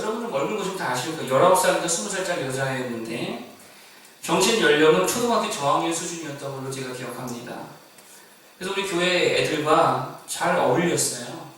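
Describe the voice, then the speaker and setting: A man preaching a sermon as pastor, moving between quiet, confessional asides and loud, emphatic repetitions. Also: a little high. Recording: echoey hall, distant mic, faint noise.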